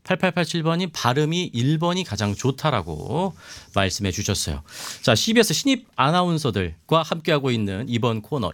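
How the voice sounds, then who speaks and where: A man hosting a live show, reading viewer comments and running a pronunciation game in a chatty, animated way. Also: a little high, no room sound. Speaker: show host. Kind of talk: lively live-stream hosting.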